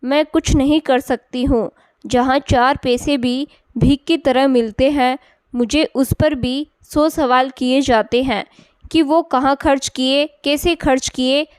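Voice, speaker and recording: Bitter, tearful young wife read by a woman, high clear voice, unhurried, storybook telling. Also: fairly even intonation, darkish tone, dry recording, studio quality. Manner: complaining, resentful.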